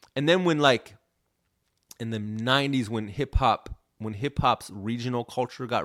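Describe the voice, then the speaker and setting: A man with a Los Angeles accent speaks in an animated tone at a medium pitch with ordinary pitch variation, in a very clean recording with a silent background and a dry, close sound with no echo. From Los Angeles, South Central. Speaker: guest, LA native. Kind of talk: casual chat.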